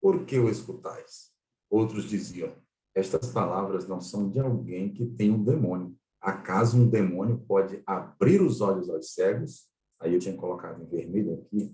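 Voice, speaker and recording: A man's voice: deep voice, mellow. A Brazilian man leading an online Bible study, explaining scripture in a didactic way as he reads it aloud. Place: online video-call class. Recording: roomy echo, distant microphone.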